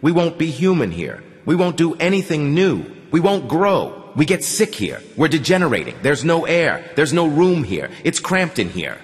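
Casting note: urgent, impassioned young man, read by a male narrator, lively swings in pitch, long hall echo. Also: moderate pace, lightly acted. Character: weary young man pleading to leave the tunnels.

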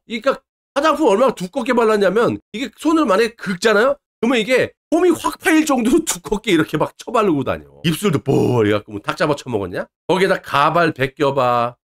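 A man's voice: sits high, very animated, brisk. A male channel host delivering an angry political rant, abusive, insulting and swearing nonstop.

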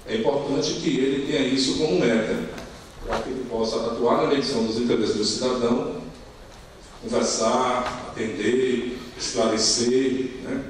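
A middle-aged man with a Brazilian accent giving a formal, partly improvised conference talk, halting and repeating words as he searches for phrasing. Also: mid-range voice, fairly even intonation. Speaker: conference speaker. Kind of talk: semi-extempore formal presentation. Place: indoor conference hall at a lectern. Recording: echoey hall, distant mic, faint noise.

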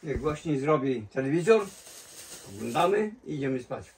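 A man in casual chat, gruff and muttering to himself. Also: medium pitch, big pitch swings, moderate pace, a little hiss or hum.

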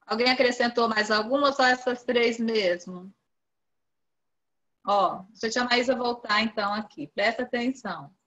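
A patient woman teacher guides young pupils through a spelling task over a video call. Her bright, fairly high voice stays clear and coaxing. The audio sounds dull and lo-fi. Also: moderate pace. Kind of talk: online class for young children.

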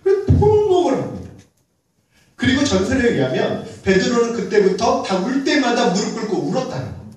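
A man's voice: high voice, darkish tone. A male pastor preaching a sermon in a church sanctuary, talking to the congregation conversationally and asking them questions. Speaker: senior pastor. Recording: very echoey church, mic far off.

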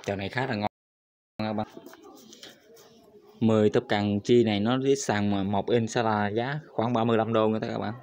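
A man's voice: lowish voice, steady tone, moderate pace, long pauses, darkish tone. A man hosting a screen-recorded crypto tutorial, talking viewers through each step and repeating his address to them constantly. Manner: repetitive, addresses viewers constantly as "các bạn".

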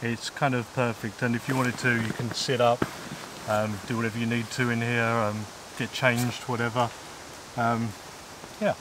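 Chatting through a woodland gear review from in and beside a small tent, this Englishman uses lots of ums and uhs. His mid-range voice is flat in delivery and moderately paced, and the camera mic, close and at mid distance, catches a noisy background.

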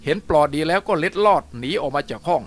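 A man's voice: on the high side, animated, fast talker. A man steadily and expressively reading a novel aloud as a storyteller. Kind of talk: audiobook narration of a novel. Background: faint music.

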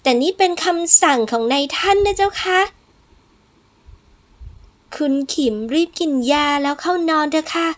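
A woman's voice: very high-pitched, unhurried, long pauses, voice pushed up. A woman voicing a timid, deferential young female servant who speaks politely and hesitantly. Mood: coaxing.

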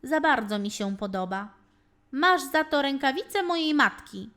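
A woman's voice: high voice, lively intonation, measured pace, a bit bright. A woman voicing a wild, bossy little robber girl in a children's fairy tale, playful and menacing, exclaiming with emphasis. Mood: bossy, generous.

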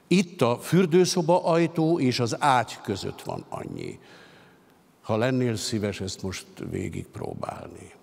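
A man voicing a composed male official who calmly lays out the steps for moving a prisoner, speaking in measured, businesslike instructions. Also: mid-range voice, gravelly. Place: concert hall stage at a literary gala. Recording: long hall reverb.

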